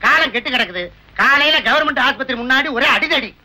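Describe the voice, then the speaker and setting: A man trading quick jokes in old film comedy dialogue, sometimes breaking into mock chants. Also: extremely high pitch, pushed and bright, rough recording. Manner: fast joking banter, mock chanting. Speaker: comic lover posing as fortune teller.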